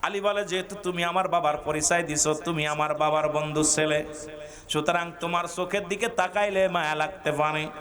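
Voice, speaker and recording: A male preacher telling a story in a sermon, dropping low, then shouting exhortations at a gathering and chanting Quranic verses in a melodic tone. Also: fairly even intonation, normal speed. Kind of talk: Bengali waz sermon, storytelling with chanted Arabic. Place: outdoor religious gathering.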